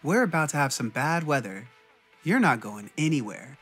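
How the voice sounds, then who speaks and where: A man's voice: a little high, sing-song, normal speed, fairly bright tone, slightly rough, faint music behind, pitched above the performer's own voice, exaggerated voice. A man voicing a worried, firm mother with an urgent, commanding manner in a dramatized story. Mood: stern.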